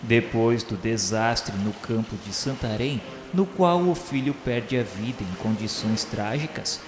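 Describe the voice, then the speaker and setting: A man with a Brazilian accent gives a solemn scripted radio drama narration in a formal, measured, literary manner. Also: fairly low pitch. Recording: echoey hall-like reverb with music. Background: music.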